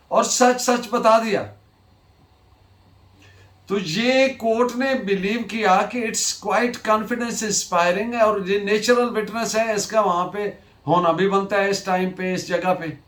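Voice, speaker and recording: A man with a Pakistani accent giving a lecture in a deliberate, didactic way, repeating his key phrases. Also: sits high, fairly bright tone. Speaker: law lecturer. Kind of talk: lecture on legal principles, mixing Urdu and English. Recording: echoey, roomy sound.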